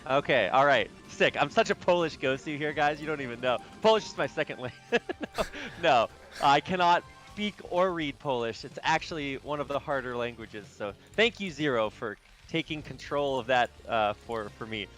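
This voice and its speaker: A man casting a strategy video game, chatting and rambling between plays and rising with excitement when the action heats up. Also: mid-range voice, normal speed, soft background music. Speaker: esports caster. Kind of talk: play-by-play commentary.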